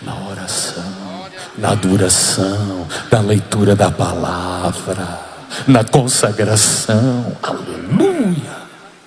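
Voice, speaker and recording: Fairly low pitch from a man, with audible room echo and noticeable background noise. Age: 70s. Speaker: retired pastor. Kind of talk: sermon.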